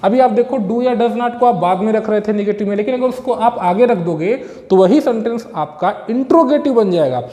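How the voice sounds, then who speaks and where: A male teacher with a high-pitched, warm voice leads an exam-prep grammar lesson in a big-sounding room. He explains step by step, checks that students follow, and slows down to spell out example sentences word by word.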